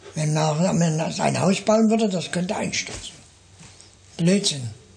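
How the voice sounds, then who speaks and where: Lively intonation marks this man's fairly high-pitched voice, heard over noticeable background noise. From Germany. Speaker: Gulag survivor, contemporary witness. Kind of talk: interview answer.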